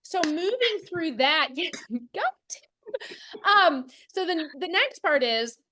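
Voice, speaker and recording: A woman's voice: very high voice, very animated, slow, pushed and bright. A woman hosting an interview casually, affirming and encouraging her guests as she talks. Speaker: interview host.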